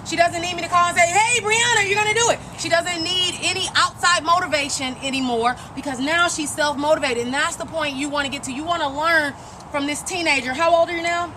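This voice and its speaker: A woman's voice: very high voice, fairly quick, background noise. A woman coach interviewing and giving an emphatic, encouraging pep talk, repeating phrases for emphasis.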